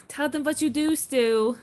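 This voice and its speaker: Woman playing a high-voiced, fussy vampire. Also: measured pace, a little mellow. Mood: urging. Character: fussy, flustered vampire host defending a guest. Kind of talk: virtual table read of a comedy script.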